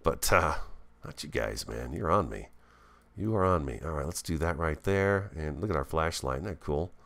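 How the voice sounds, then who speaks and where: Deep-voiced, animated man with a swollen tongue. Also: moderate pace. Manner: chatty, thinks aloud, easily excited. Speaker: gaming video host. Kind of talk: casual gameplay commentary.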